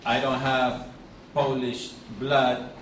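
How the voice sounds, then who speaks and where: A middle-aged man from Argentina with an Argentine Spanish accent, giving a conference lecture in a measured way with pauses and restarts. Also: medium pitch, monotone, a bit bright. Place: conference hall. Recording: echoey hall with faint noise.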